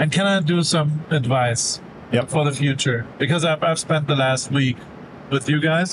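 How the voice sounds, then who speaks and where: A man with a fairly high pitch, fairly even intonation and very even loudness, at a moderate pace with long, frequent pauses, over noticeable background noise. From Germany. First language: German. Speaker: podcast host. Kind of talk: casual chat. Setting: airplane cabin. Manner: loud, shouting over noise.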